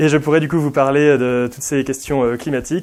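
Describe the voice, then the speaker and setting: A man talking at a very fast pace, fairly even in intonation, over noticeable background noise. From France, Pyrénées-Orientales. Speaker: engineer and climate consultant, lecturer. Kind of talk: lecture-performance.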